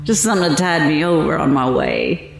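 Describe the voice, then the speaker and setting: An actor playing a self-assured, menacingly coy female killer on death row in an audio horror drama, with a taunting, unhurried way of talking. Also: sits low, huge pitch swings, creaky, heavily acted. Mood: savoring, casual. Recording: echoey room with music behind.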